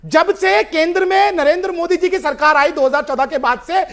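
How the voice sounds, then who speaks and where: A man's voice: extremely high pitch, normal speed, creaky. A man speaking as a political panelist in a heated TV debate, answering with firm, pointed rebuttals.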